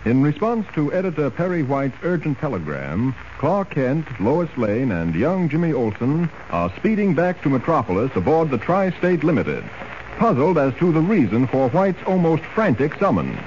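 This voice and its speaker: A man's voice: on the high side, sing-song, normal speed, a little mellow. A man announcing and narrating a 1940s radio drama in a dramatic, declamatory style. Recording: muffled hissy 1940s radio recording.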